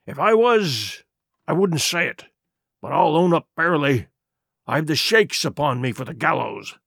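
A crafty old sea-dog pirate, as a male narrator puts him on, talking in rough sailor's slang with a wheedling edge. His voice swings widely up and down and sits a bit high, and the recording is dry and close. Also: animated, unhurried, a bit bright, no room sound, full character voice. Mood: earnest.

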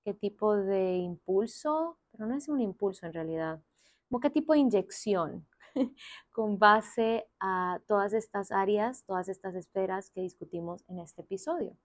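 Calm woman guiding self-reflection. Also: medium pitch, normal speed, dry recording, clean studio sound. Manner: gentle, guiding, asks reflective questions. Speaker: podcast host. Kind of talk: reflective wellness podcast talk.

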